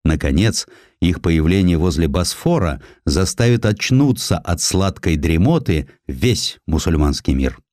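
A man narrating a scripted historical essay as an audiobook, telling it in an expressive, measured, literary manner. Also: deep voice, no room sound, clean studio sound. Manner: expressive, measured storytelling delivery.

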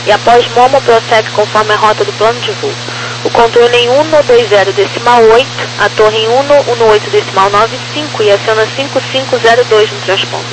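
Through a humming, noisy aviation radio comes a Brazilian woman's fairly high voice. She is an air traffic controller reading clearances in formulaic phrases. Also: a little fast. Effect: two-way radio.

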